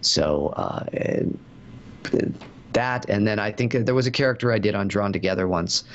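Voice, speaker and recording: A man's voice: on the low side, animated, normal speed, highs cut off, slight background noise. A man being interviewed about his voice acting work, telling stories in a chatty way with many fillers and restarts. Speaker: voice actor guest. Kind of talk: casual interview answers.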